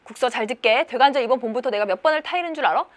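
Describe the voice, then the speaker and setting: A cold, middle-aged male steward lays down demands and warnings in a clipped, bossy tone, as a woman reads him aloud. His voice sits rather high and keeps a steady, menacing pressure. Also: racing, lightly acted. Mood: lecturing. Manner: lecturing, threatening.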